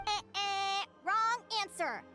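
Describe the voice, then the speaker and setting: A woman's voice: very high voice, lively intonation, slow, over music, full character voice. A woman voicing a young, cheerful, eager female adventure teacher in an anime game, perky and instructive. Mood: cheerful, cautionary.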